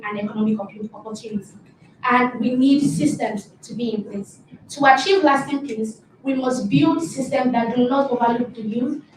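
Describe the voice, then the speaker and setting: A woman's voice: fairly high pitch, slight background noise. A woman giving an earnest, formal speech at a conference. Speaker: conference speaker. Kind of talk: prepared speech. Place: conference hall. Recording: echoey hall, distant mic.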